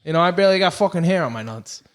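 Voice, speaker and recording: A man in his thirties hosting a podcast, telling a profane, animated story in casual chat. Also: fairly high pitch, racing. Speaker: podcast host.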